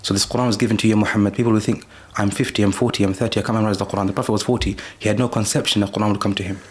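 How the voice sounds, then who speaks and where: Brief: lower-voiced man, podcast guest, rapid flat delivery moving between chanted recitation and plain explanation. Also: slightly rough. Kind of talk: recitation and casual religious talk.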